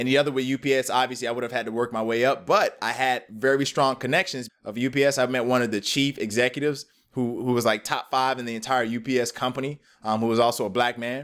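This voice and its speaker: Energetic in tone, a man with an American accent talks at a very fast pace and medium pitch. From South Miami, Florida; Haitian family. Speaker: business coach and podcast host. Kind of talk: motivational monologue. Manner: casual, energetic.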